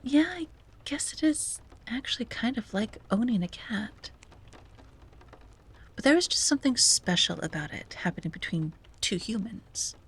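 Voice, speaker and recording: A woman playing a wistful, self-doubting young sea-witch in an ASMR roleplay, speaking softly and breathily with hesitant musing and frequent drops to a whisper. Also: a little high, big pitch swings, normal speed, full character voice. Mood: dreamy, longing. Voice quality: breathy, often dropping to a whisper. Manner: hesitant, musing, sighing, gently playful. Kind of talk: ASMR roleplay, soft intimate monologue.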